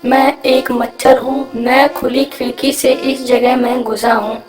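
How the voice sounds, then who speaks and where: A woman's voice: high voice, little pitch movement, measured pace, a little mellow, reverberant, recorded from a distance, soft background music, low-quality recording. A woman voicing a cheeky, brash male mosquito in a children's cartoon, with a cocky, drawling delivery. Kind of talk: cartoon voice acting.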